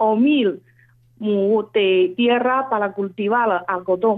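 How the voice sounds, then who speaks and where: A woman with a Chinese accent and a fairly high voice, at a very slow pace. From China, Xinjiang. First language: Chinese (speaking Spanish). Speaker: interviewee. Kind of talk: radio interview. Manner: halting.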